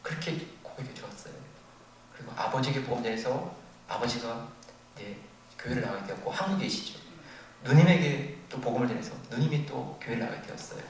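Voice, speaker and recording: An older man preaching a sermon as a pastor, telling a story with animated, acted-out quotes. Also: mid-range voice, fairly quick. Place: church sanctuary. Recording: very echoey, distant from the mic, faint noise.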